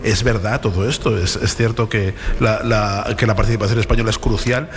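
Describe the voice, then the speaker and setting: A man's voice: fairly low pitch, fairly even intonation, fairly quick, a little hiss or hum. A man who speaks politely but persistently, with stammered restarts, as a panelist in a roundtable debate.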